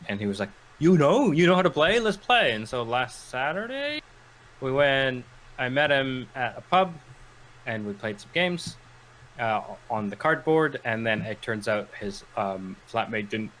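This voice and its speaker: A man's voice: medium pitch, a little slow, a little hiss or hum. A man co-hosting a casual gaming podcast, rambling through stories and acting out quotes as he goes. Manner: rambling, animated storytelling with acted-out quotes. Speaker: podcast co-host. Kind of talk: casual chat.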